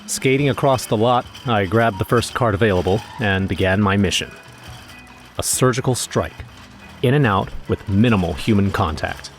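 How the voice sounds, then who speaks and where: Casting: male actor for wry, nervous everyman narrator, lowish voice, scripted horror audio drama storytelling. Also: moderate pace, soft background music, close to an everyday voice. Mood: wry, uneasy.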